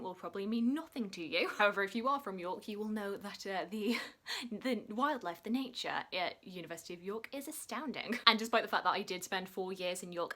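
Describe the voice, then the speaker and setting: A woman's voice: medium pitch, a bit bright. A young woman from West Yorkshire with a mild Yorkshire accent, chatting casually to camera as a book vlogger, self-mocking and full of "like" fillers. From West Yorkshire, England.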